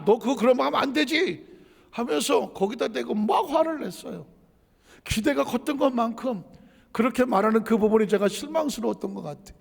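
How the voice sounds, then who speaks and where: A man preaching in a high, gravelly voice, carried by a long reverb as if in a church hall. He talks to his congregation conversationally, tosses out rhetorical questions and repeats key phrases for emphasis. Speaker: pastor. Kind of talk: sermon.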